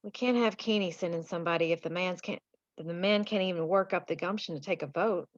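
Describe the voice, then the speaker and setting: A woman's voice: fairly low pitch, quick pace, no room sound, muffled recording, close to an everyday voice. A woman playing a folksy, chatty married townswoman from a mining town in a screenplay table read. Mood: worried.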